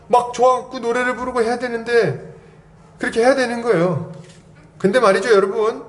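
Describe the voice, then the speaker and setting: Male pastor, bright upper register, sermon delivery that tells personal stories and quizzes the pews. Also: high-pitched. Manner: lively, asks the congregation questions and prods with "eh?". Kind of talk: expository sermon.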